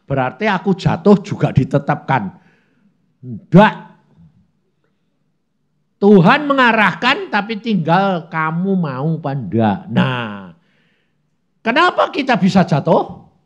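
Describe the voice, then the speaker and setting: A man's voice: on the high side, huge pitch swings, lo-fi sound. A man preaching a conversational sermon, asking rhetorical questions and acting out little prayers and objections. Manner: acts out prayers and objections in quick asides.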